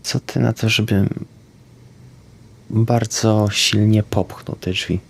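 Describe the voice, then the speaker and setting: A man with a lowish voice plays a tabletop roleplaying game. He talks slowly and haltingly, casually describing what his character does. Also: fairly even intonation, gravelly. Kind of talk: casual tabletop play, narrating own moves.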